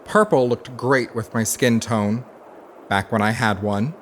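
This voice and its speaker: A man's voice: medium pitch, unhurried, slight background noise, close to an everyday voice. A man playing a sardonic, vengeful undead gay fictional character in an audio play, theatrical and campy. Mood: wry.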